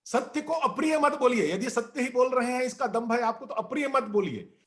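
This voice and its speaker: A man speaking as a guest in a discussion, giving a measured, teacherly talk and reciting verses and couplets along the way. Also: very high-pitched, expressive, a bit bright. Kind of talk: didactic talk on the art of speaking.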